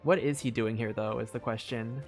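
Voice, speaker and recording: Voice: mid-range voice, fairly even intonation, normal speed, a little mellow. A game streamer giving casual, reactive playthrough commentary, thinking aloud and reading game text. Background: game music.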